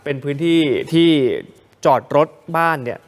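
A man's voice: a little high, normal speed, clear, resonant tone. A man co-hosting a morning news show, joking with his co-host while narrating travel footage. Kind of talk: casual live TV chat over travel footage.

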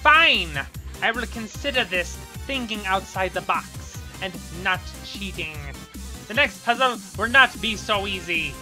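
A piercingly bright, animated skeleton man played by a woman, boastful and pompous. He announces his traps theatrically, like a cartoon showman, over music. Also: mid-range voice, measured pace. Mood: grudging. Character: boastful excitable male skeleton, puzzle-obsessed trap maker. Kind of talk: fan comic dub, cartoon acting.

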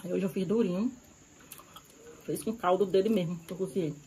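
A woman's voice: lowish voice, a little fast, warm tone, rough recording. Bahian woman, 30s, food vlogger, casual chat between bites, outdoor porch, faint noise. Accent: Bahian Brazilian Portuguese. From Bahia, Brazil. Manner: chatty, savoring food between remarks. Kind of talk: casual eating vlog. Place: outdoor porch of a rural house.

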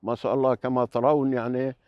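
A middle-aged man, speaking in a measured way with many fillers as he talks outdoors for an interview. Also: mid-range voice, level tone, dull audio, a little hiss or hum. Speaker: mosque community representative. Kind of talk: interview answers. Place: outdoors beside a mosque.

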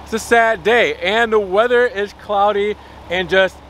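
Young male car-channel host, upbeat and chatty, higher-pitched, recorded outdoors on a lot with faint background noise. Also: measured pace, fairly bright tone. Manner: chatty, upbeat, addresses viewers as guys. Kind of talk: casual car review to camera. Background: light wind and outdoor ambience.

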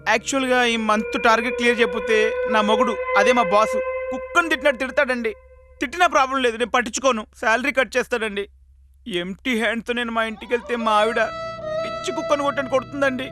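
A man's voice: very high voice, fast, over music. An actor playing a desperate, pushy real estate salesman in a comic film, who wheedles and pleads with a customer and rants in asides. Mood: pleading.

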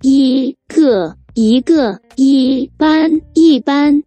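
Squeaky eager sidekick, very high and slow-spoken, dry close sound. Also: male voice, warm tone, no echo, soft background music, heavily acted. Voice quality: squeaky, repeats the example words back. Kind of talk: scripted voice-over bit in a language lesson.

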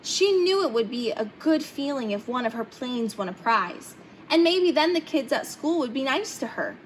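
High-pitched young woman reading a storybook. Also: big pitch swings, moderate pace, slight background noise, low-quality recording. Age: young adult. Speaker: storybook reader. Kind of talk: reading a children's picture book aloud. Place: indoor hangar-like museum room, seated in open cockpit.

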